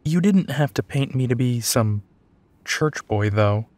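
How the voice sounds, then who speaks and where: Tired, teasing male detective, played by a male actor, audio roleplay, slow delivery, dry recording. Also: mid-range voice, expressive, darkish tone, no room sound, natural voice. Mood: amused teasing. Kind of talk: intimate detective roleplay acting.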